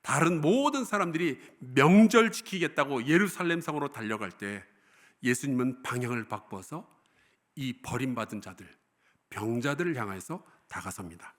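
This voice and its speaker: A middle-aged male pastor giving a sermon. He tells a story and asks the congregation questions, swinging between loud emphasis and hushed, low lines. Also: expressive, normal speed.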